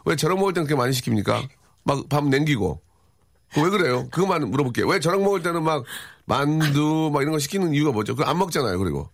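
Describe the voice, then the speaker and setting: A man's voice: a little high, lively intonation, quick pace, gravelly, dry recording. A man hosting a radio show, teasing a staff writer in a mock-serious, playful way. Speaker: radio host. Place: radio studio.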